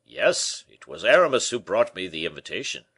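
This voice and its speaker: A man voicing a vain, hot-tempered middle-aged nobleman in an audiobook, pompous and given to loud indignant outbursts. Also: sits low, big pitch swings, normal speed, slightly rough, heavily acted. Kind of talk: audiobook character voice.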